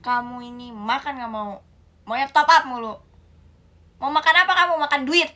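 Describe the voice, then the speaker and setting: Woman playing a loud scolding mother. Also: high voice, moderate pace. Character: angry scolding mother, fed up with her child.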